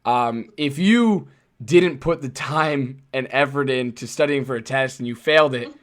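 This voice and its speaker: A man's voice: medium pitch, a little slow. A man hosting a live online interview, talking in a casual, supportive way with many fillers. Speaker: host.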